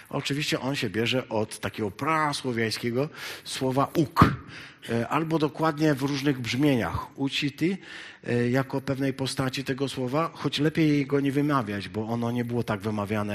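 A man preaching a sermon, shifting between loud, emphatic exhortation and quiet, halting asides full of hesitations. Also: mid-range voice. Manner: halting, with many hesitation fillers.

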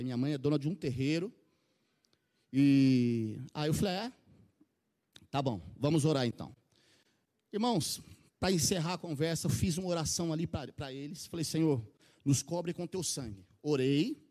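A middle-aged church member gives a testimony in his high-pitched, slightly mellow voice. He tells his story with animation, often turning to address the congregation.

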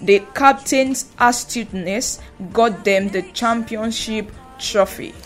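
A woman co-hosting a radio show, teaching vocabulary. She spells and defines each word slowly and carefully, and repeats her example sentences. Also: on the high side, soft background music. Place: radio studio.

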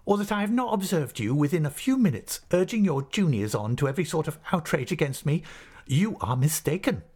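An anguished schoolmaster from a storybook acted out by a man reading aloud. His voice rides high and swoops with indignation. He is formal and tremulous, tripping over words as he clings to his dignity. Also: sing-song, brisk, darkish tone, breathy edge. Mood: indignant, wounded. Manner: agitated, stammering, formal. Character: anguished adult male schoolmaster, indignant, trembling, wounded dignity.

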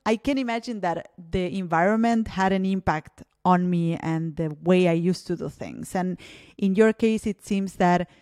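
A woman's voice: lowish voice, moderate pace, a little mellow, dry recording. Reflective woman from Argentina, dry sound. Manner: reflective, many fillers like "you know" and "like". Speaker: podcast host. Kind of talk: casual interview chat. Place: Berlin.

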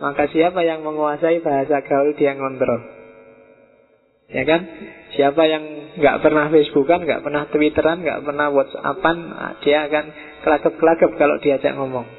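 A middle-aged man giving a relaxed, conversational philosophy lecture to students and slipping into Javanese words. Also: fairly high pitch, moderate pace. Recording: tinny phone-like audio in a reverberant hall.

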